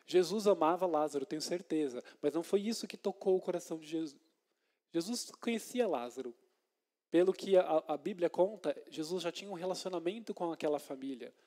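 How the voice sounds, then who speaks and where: Male deacon, mellow and somewhat high, chatty sermon style, keeps asking "right?", acts out scenes. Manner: conversational preaching with frequent tag questions; retells scripture in lively dramatized scenes. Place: church.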